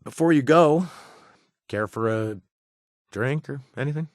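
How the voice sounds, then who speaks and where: Close to an everyday voice, a mid-range man speaks unhurriedly as a game's sarcastic wasteland ally fearing for his brother. The recording is dry, and his dry humor comes with frequent hesitations.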